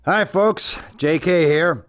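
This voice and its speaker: A man's voice: a little high, takes it slowly, fairly bright tone, smooth. A man playing a showy, folksy presenter introducing a cartoon episode. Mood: chatty, showy.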